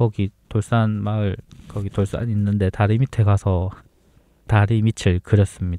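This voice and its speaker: A man's fairly low voice, dark and mellow in tone, at a fairly slow pace, with a dry, close sound, no echo, and a very clean recording over a silent background. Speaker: painter. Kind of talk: interview.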